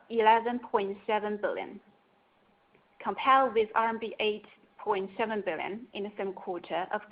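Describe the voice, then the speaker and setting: Woman, company finance executive, formal scripted report delivery, measured, dull conference-call sound. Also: medium pitch.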